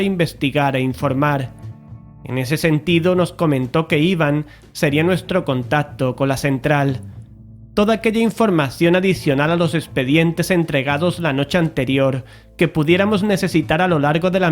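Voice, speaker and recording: An actor playing an earnest young investigator who leads and narrates a horror audio drama. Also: male voice, a little high, close to an everyday voice.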